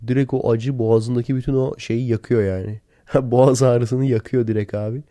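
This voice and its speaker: A man hosts a casual solo podcast while sick and worn out. His hoarse voice is mellow and dark, with little melodic movement. He is recorded close and dry, talking informally to his listeners. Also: mid-range voice, steady tone, normal speed, dry recording. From Turkey. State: sick and tired, lost voice. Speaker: podcast host. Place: in bed at home. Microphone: handheld voice recorder, close.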